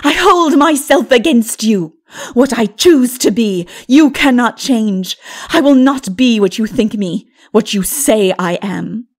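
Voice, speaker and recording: A woman voicing a proud, tyrannical princess in a dark fantasy audiobook, with a forceful, haughty delivery. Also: on the high side, expressive, slow pace, slightly rough, full character voice. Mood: furious defiance. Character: defiant proud wicked princess, tyrannical and unrepentant.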